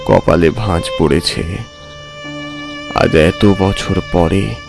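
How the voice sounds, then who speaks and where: Deep, slow, brooding middle-aged man. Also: vocal fry, faint music behind, heavily acted. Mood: brooding, wistful. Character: brooding middle-aged man haunted by lost first love, first-person narrator. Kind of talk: dramatic first-person horror story narration.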